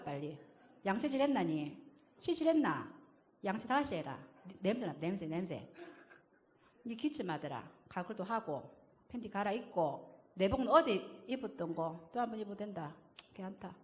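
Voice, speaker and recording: A woman's voice: mid-range voice, expressive, lightly acted. A woman voicing a nagging father who scolds his young son nonstop in Gyeongsang dialect. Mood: scolding. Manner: rapid scolding, nonstop orders.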